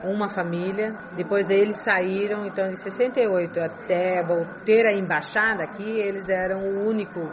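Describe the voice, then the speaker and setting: A middle-aged woman whose first language is Chinese, answering interview questions in a halting way, repeating phrases and restarting words. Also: mid-range voice, fairly even intonation, noisy background. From grew up in Beijing, China. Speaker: interview guest. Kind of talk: conversational interview. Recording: muffled with crowd murmur behind.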